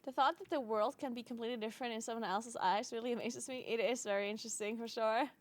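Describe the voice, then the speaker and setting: A woman's voice: on the high side, fairly even intonation, fast. A woman streamer from Italy whose first language is German, chatting casually with viewers, playful and teasing with frequent laughs.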